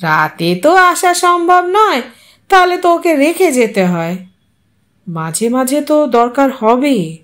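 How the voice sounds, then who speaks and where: Woman reading a scrawny poor fellow, blunt and businesslike, high and lively. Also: takes it slowly, full character voice. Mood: haggling.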